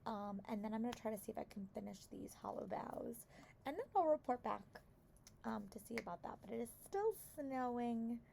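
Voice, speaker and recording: Young woman, hoarse gravelly voice, casual vlog chatter, warm and low-key. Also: moderate pace, slight background noise, poor audio. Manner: chatty, rambling with many fillers. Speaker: book vlogger and theater teacher.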